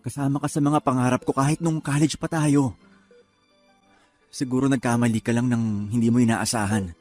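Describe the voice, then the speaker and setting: A man playing a hurt, soft-hearted groom in an emotional radio romance drama. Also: mid-range voice, fairly even intonation, normal speed, soft background music, natural voice. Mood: tender, forgiving. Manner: earnest, emotional.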